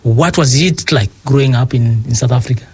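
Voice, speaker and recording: A man interviewing a guest, asking halting, rambling questions and backchanneling often. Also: medium pitch, darkish tone, slight background noise. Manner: halting, restarts questions, frequent mm-hmm.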